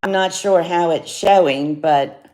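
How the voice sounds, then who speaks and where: A woman's voice: lowish voice, a little slow, a little mellow, low-quality recording. A woman chatting casually on a jewelry livestream, greeting viewers by name. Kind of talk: casual live sales chat. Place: home studio, indoors.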